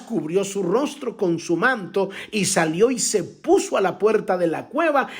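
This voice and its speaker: An older male pastor delivering a devotional sermon, with impassioned preaching that breaks into sudden high, drawn-out cries. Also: slightly rough.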